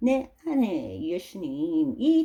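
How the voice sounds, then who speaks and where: A woman with a dark, mellow tone speaks at a fairly high pitch, her voice making very wide pitch swings. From South Korea, Daegu. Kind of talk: devotional sermon-style talk.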